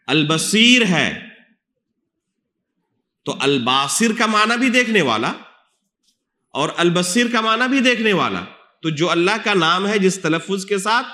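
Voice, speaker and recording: A man's voice: a little high, sharp tone. Man lecturing in an echoey mosque. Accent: Indian Urdu. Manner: teacherly, asks the audience questions and answers them. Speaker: Islamic scholar. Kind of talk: religious lecture.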